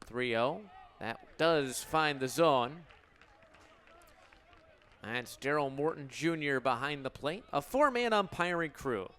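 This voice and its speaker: An American man in his twenties calling live baseball play-by-play for radio in a crisp, descriptive announcer delivery. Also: a little high, animated, takes it slowly, fairly bright tone. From Illinois, United States. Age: 20s.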